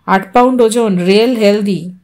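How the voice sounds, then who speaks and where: A woman reading the part of a calm male doctor who explains things gently and patiently. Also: mid-range voice, moderate pace, natural voice. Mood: reassuring. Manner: explains gently in an even, soothing tone. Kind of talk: audiobook reading.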